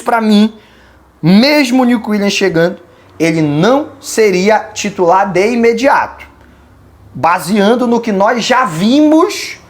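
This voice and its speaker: A host from Belém do Pará, Brazil, with a Brazilian accent, answering viewer questions in casual, opinionated commentary and reasoning out loud. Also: mid-range voice. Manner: opinionated, colloquial, reasoning aloud. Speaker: channel host.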